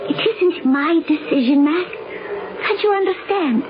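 Anguished, high-voiced young island princess. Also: female voice, expressive, measured pace, over music. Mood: troubled, resigned. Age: young adult. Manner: earnest, emotional, pleading. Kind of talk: 1970s radio drama acting. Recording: noisy, dull old radio recording.

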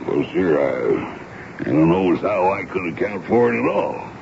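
A stolid army sergeant in a seventies radio drama. His voice is very low and gravelly, respectful and folksy toward his superior. The broadcast sounds dull and band-limited. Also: very animated, unhurried, darkish tone, a little hiss or hum, exaggerated voice. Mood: dutiful, sheepish. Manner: respectful, folksy military reporting. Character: deferential middle-aged army sergeant, gruff and stolid. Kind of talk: 1970s radio drama acting.

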